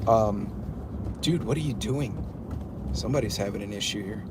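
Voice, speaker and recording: Broadcasting live from his pickup truck, a West Texas prepper channel host rants blunt road-safety advice at his chat viewers during a driving vlog. His pitch is fairly low and his speed normal. Background noise runs underneath.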